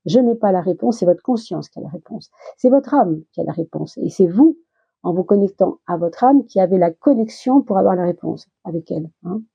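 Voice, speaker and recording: A woman giving a casual tarot reading to her viewers, chatty and reassuring with many little restarts, her words a bit slow while she gets over a minor illness. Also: on the low side, lively intonation, gravelly, breathy edge, lo-fi sound. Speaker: tarot reader.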